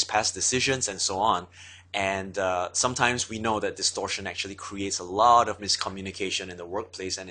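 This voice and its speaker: A man teaches in a steady lecturing manner, often pausing on fillers as he works through his points. His voice sits on the lower side but carries a bright, forceful edge. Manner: steady explaining with frequent fillers. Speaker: instructor. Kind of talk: explanatory lecture.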